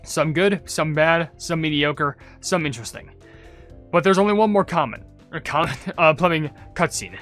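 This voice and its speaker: A man's voice: on the high side, normal speed, fairly bright tone, faint music behind. A young man giving casual, rambling gaming commentary, thinking aloud as he goes. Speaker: gaming video creator.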